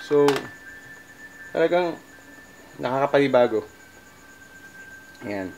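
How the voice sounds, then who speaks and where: A middle-aged Filipino man talks casually to viewers in a halting, conversational vlog style, thinking aloud as he demonstrates. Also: medium pitch, animated, darkish tone, slight background noise, low-quality recording. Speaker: musician vlogger.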